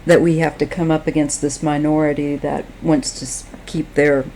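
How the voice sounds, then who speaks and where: A woman giving a tarot reading, speaking in a slow, halting, reflective way while she is losing her voice. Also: sits low, flat delivery, darkish tone, a little hiss or hum, rough recording. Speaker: tarot reader.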